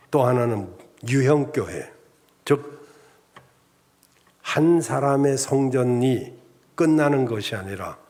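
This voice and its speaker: A male pastor preaching a Sunday sermon in a measured, enumerating style, often addressing the congregation directly. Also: mid-range voice, darkish tone. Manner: measured preaching with enumerated points and rhetorical asides. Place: church sanctuary.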